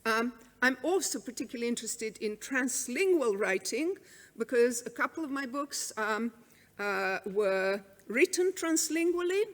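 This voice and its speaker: A middle-aged woman whose first language is Serbian gives a measured, wry conference talk with frequent ums, on a lectern microphone in a large hall. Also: on the high side, expressive. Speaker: conference speaker. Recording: reverberant hall sound.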